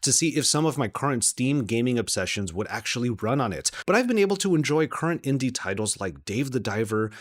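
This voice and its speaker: A man's voice: mid-range voice, animated, brisk, hardly any pauses. Male gadget reviewer, middle register, conversational delivery. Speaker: tech reviewer.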